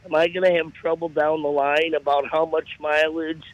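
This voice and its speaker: A woman with a deep, raspy voice calling in to a radio show, a little groggy. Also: little pitch movement, moderate pace, no room sound. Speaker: caller. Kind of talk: call-in chat. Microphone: phone. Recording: muffled phone line.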